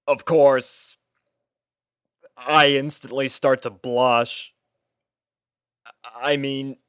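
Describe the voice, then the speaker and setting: A man reads as a lonely, bewildered college student recounting his tale in the first person. His voice is smooth and mid-pitched, and he tells it at an unhurried, deliberate pace. The delivery is theatrical, like a dramatic audiobook, with pauses for effect. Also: a bit bright, dry recording, studio quality. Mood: flustered disbelief. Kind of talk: dramatic audiobook-style fan fiction reading.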